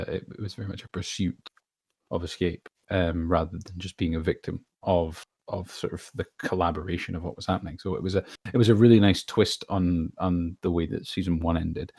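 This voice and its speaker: A man's voice: sits low, steady tone, a little fast, creaky, mellow, slightly rough, dry recording. A man discussing things casually as a panelist on a podcast. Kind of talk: casual behind-the-scenes discussion.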